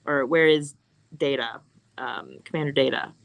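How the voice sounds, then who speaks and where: A woman's voice: very deep voice, normal speed, creaky. A woman co-hosting a live craft stream, chatting casually and playfully while she strings beads. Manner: chatty, playful, puts on voices in quotes. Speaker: co-host of a live bead shop stream.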